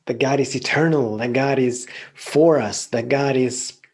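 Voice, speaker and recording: A podcast host whose native language is Swedish delivers a calm, reflective spiritual teaching monologue, frequently repeating phrases in long lists. His voice is medium-pitched, a little slow, and slightly rough.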